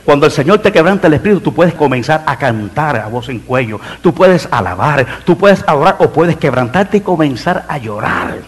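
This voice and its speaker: A middle-aged man preaching a sermon in church as pastor, building emphasis and dropping into soft asides. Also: on the high side, expressive, moderate pace, few pauses, husky. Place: church sanctuary.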